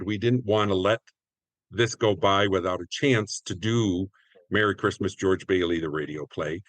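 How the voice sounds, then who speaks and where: A man's voice: low-pitched, no echo. A middle-aged American man reminiscing casually as a community theater actor in a group interview.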